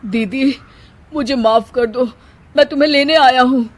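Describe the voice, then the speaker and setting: A woman's voice: high-pitched, a little slow, voice pushed up. Brief: woman reading a sincere young brother, heartfelt, storybook narration. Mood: remorseful. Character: earnest young man, devoted younger brother. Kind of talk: storybook character voice.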